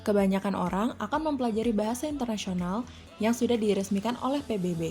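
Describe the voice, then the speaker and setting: A woman's voice: mid-range voice, quick pace, a little mellow. Indonesian woman narrating over music. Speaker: narrator and host. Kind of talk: scripted documentary narration.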